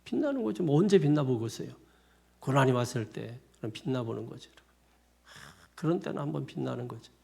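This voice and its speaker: A man's voice: mid-range voice, expressive, a little fast, vocal fry, pauses often, darkish tone, husky. A male pastor giving a sermon in a loose, conversational manner, often repeating himself and laughing at his own asides. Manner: colloquial, repetitive, chuckling asides.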